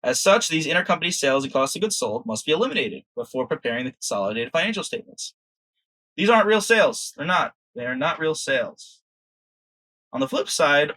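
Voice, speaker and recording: A man's voice: fairly high pitch, bright, forceful tone, dry recording, poor audio. A man giving an informal lecture as an exam prep instructor, conversational and often checking in with the listener.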